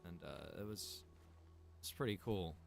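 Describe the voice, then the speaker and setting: A man's voice: low voice, a little slow, gravelly, faint music behind. A man streaming a survival game, chatting casually and rambling to his viewers while he plays. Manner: relaxed, rambling, greets chat viewers by name.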